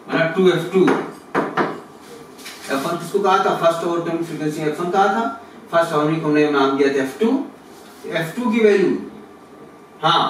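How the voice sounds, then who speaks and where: A man teaching physics, working through exam questions and asking and answering his own questions. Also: a little high. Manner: addresses students as kids, asks and answers his own questions. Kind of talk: explaining exam solutions. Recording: echoey room, mic far off, noisy.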